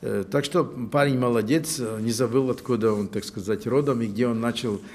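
A man's voice: medium pitch, normal speed, darkish tone. An older man answering an interview in an office, hesitant, with many fillers. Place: indoor office.

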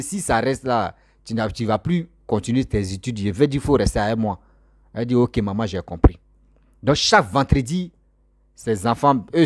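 A man's voice: mid-range voice, a little mellow, dry recording. A young man, telling a story casually and animatedly into a close studio mic in a small room, repeating words for effect. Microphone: studio mic on stand, close.

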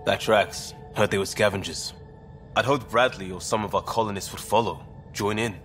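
An earnest, impulsive young crewmate in a video game, acted by a man, talks in a low voice. His phrases come halting and informal, weighed with guilt, over soft music. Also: steady tone, lightly acted. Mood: determined. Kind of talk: video game cutscene dialogue.

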